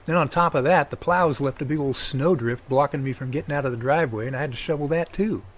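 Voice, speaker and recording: A man's voice: medium pitch, fast, natural voice. A man acting as a chatty, good-humoured grown son in an amateur audio drama, with folksy delivery. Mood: chatty, wry.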